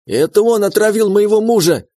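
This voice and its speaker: A man's voice: high-pitched, a little fast, warm tone, no echo, studio quality, voice pushed up, natural voice. A man voicing a scheming prince's wife who shrieks accusations with theatrical fake grief in an audiobook. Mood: accusing shrill.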